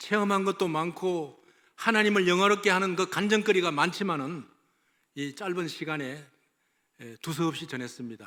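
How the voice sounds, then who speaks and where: A man talks at a high pitch with a bright, sharp tone. His pitch varies in an ordinary way while his loudness swings widely. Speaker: missionary giving testimony. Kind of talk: testimony sermon. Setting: church service.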